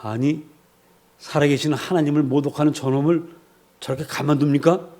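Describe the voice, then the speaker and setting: A man's voice: on the high side, steady tone, moderate pace, warm tone, close to an everyday voice. Brief: bold, eager young shepherd boy in a Bible retelling, voiced by a man, earnest and pleading.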